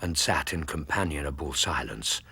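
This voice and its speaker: A loyal doctor narrator; deep, raspy-edged voice. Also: male voice, animated, normal speed, sharp tone, no room sound, exaggerated voice. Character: loyal, earnest male doctor companion. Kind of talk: radio drama narration and acting.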